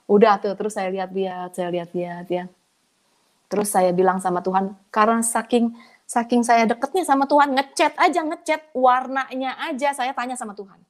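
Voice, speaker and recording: A woman tells a personal testimony at a brisk pace in a casual, colloquial style, talking to listeners as if they were friends. She is animated, and her pitch leaps up whenever she gets excited.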